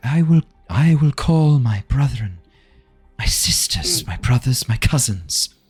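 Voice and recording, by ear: Faint music plays behind a man doing a put-on character voice. He speaks at medium pitch and a fairly slow pace.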